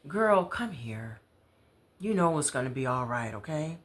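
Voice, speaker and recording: A woman's voice: low-pitched, sing-song, unhurried. An American woman voicing an outspoken, caring woman friend in a story, with blunt, slangy, emphatic delivery. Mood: concerned.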